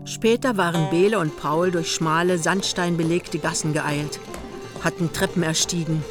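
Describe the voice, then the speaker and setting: An actress narrating a literary radio play in the third person as a storyteller. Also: female voice, lowish voice, moderate pace, natural voice. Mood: measured storytelling. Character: female narrator of a young couple's holiday tale. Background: music.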